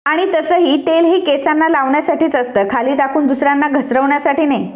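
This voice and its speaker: A stubborn young woman designer who talks back defiantly, as a woman reading a serial recap puts her on. The voice is high, close to the reader's own, told like a storybook retelling. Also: fairly even intonation, fairly quick, close to an everyday voice.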